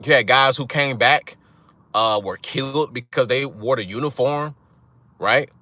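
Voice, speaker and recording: Young man, blunt rant-style host, bright edge, dry close mic. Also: medium pitch, measured pace, no echo. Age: young adult. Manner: blunt, profane, repeats "right?" for emphasis. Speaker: channel host. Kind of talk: casual monologue to viewers.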